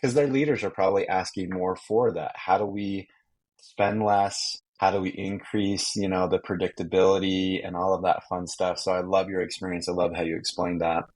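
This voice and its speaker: A man with a low voice hosts an interview with eager, upbeat enthusiasm, often repeating his praise. His audio comes through earbuds instead of a proper microphone, so it sounds thin, distant and low in quality. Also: fairly even intonation, moderate pace, a little mellow. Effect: low-quality earbud mic audio. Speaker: podcast host. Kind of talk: casual interview hosting. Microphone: wireless earbuds mic.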